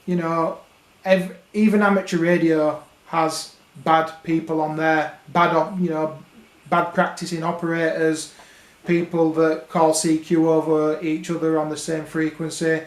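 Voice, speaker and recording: A man's voice: on the high side, flat delivery, a little slow. A British man giving a casual, unscripted opinion monologue as a radio hobbyist, conversational and often rephrasing himself. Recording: roomy, echoey sound.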